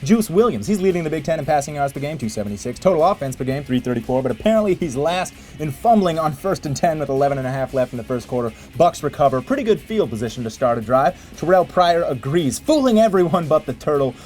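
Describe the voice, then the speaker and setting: A man reading a scripted sports highlights voice-over in a playful, wry manner with theatrical emphasis. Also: sing-song, fast, few pauses, darkish tone. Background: music bed.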